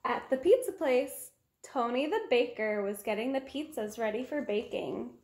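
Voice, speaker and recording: A woman's voice: a little high, animated, moderate pace, darkish tone. A woman in her twenties reading a children's picture book aloud expressively, in simple phrases for young listeners. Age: 20s. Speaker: read-aloud storyteller. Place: small room at home, indoors. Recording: roomy home recording.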